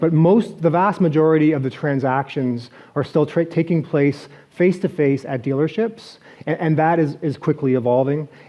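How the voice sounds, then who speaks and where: A man with a plain, everyday voice, fairly high in pitch, with a Canadian accent, a moderate pace and ordinary pitch variation. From Canada, Toronto. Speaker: business executive and investor. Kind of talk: conference keynote presentation. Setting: stage with audience and live translator.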